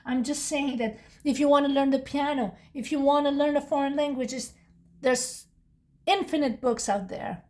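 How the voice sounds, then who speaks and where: A woman with a slightly higher voice and a non-native English accent talks through a tarot reading. She rambles casually, often restarting sentences and wandering into personal asides. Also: moderate pace, a little mellow. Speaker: tarot reader.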